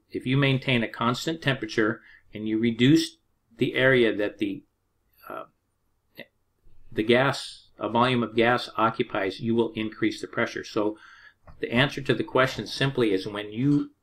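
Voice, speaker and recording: A man teaching an HVAC lesson over sketched diagrams. He speaks at a middling pitch, calm and unhurried, and often restarts his sentences as he works through each point. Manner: plain, unhurried, with frequent restarts. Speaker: HVAC instructor. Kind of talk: explaining over drawn diagrams.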